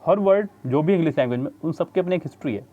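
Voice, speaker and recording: A man's voice: on the high side, lively intonation. Man teaching from a vocabulary book. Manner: reads English text slowly, explains quickly in Hindi; addresses students as children. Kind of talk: Hindi-English book lesson. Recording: dull lo-fi audio.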